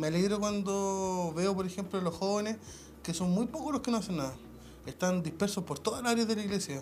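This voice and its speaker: There is audible room echo as a man speaks at a high pitch. He talks at a fairly quick pace with ordinary pitch variation. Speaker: church youth leader. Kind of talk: testimony.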